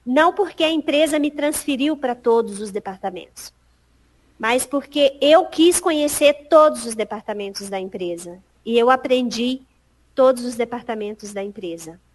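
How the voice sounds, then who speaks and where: Guest: high-voiced middle-aged Piauí-accented woman, lively storyteller who mimics the people she quotes. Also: moderate pace. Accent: Piauí Brazilian Portuguese. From Piauí, Brazil. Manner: animated, acts out quoted dialogue, laughs often. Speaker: podcast guest. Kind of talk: casual storytelling interview.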